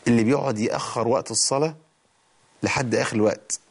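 A man with an Egyptian Arabic accent teaching Quran recitation on a TV show, explaining the rules in plain speech and reciting verses slowly and drawn out. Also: medium pitch, steady tone, creaky, husky.

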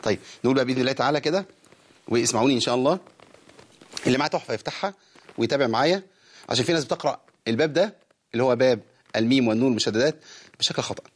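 Egyptian man, Quran recitation teacher, broadcast lesson, chants verse slowly, firm explanations. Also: medium pitch, breathy edge. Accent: Egyptian Arabic.

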